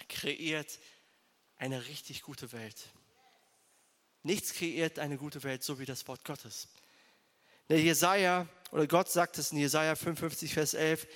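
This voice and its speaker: Guy pastor preaching, pretty high voice, punchy repeats, long hall reverb. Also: fairly bright tone. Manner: emphatic, direct address to listeners, repeats key phrases. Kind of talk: sermon.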